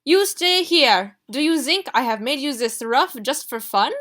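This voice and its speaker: A loud, excitable seamstress with a strong French accent, played by a woman reading aloud. She scolds and fusses dramatically. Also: fairly high pitch, a little slow.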